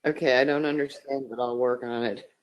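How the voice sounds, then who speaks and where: A woman's voice: extremely low pitch, fairly even intonation, fairly quick. A woman in a class, asking questions hesitantly about what she is told. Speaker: class participant.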